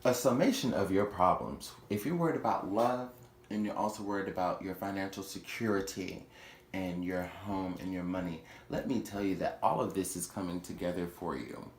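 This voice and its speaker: A man giving a chatty tarot reading, with playful asides and quick self-corrections. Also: low voice. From Houston, Texas. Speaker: tarot reader. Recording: echoey room with faint noise.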